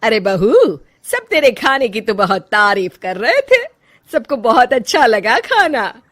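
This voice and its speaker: A woman's voice: fairly high pitch, sing-song, measured pace, a bit bright, exaggerated voice. A woman voicing an older mother-in-law in a cartoon story, who gives orders at first and later speaks kindly. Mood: commanding. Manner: commanding, then affectionate.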